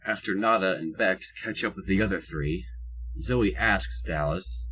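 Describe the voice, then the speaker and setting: Low, husky male narrator. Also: unhurried, sharp tone, low-quality recording. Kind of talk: scripted audio drama narration, with wry asides.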